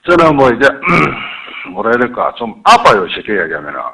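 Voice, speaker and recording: A middle-aged man speaking a Korean regional dialect, phoning in to a live stream and rambling haltingly, often repeating himself. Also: mid-range voice, big pitch swings, sharp tone, husky, poor audio. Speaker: caller. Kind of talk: phone-in advice call.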